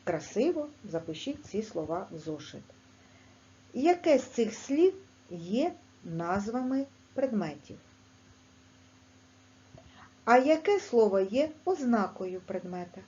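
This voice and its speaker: Ukrainian woman teacher for kids' lesson; mellow voice, lively pitch, lo-fi sound. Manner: slow, clear, sing-song teacher talk with lively pitch. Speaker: primary school teacher. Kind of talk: online language lesson for children.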